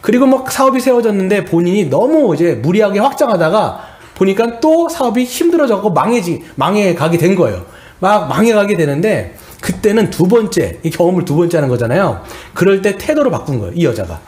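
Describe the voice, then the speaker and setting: High, lively-voiced male pastor preaching. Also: brisk. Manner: earnest preaching, repeatedly addressing the congregation. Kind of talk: sermon.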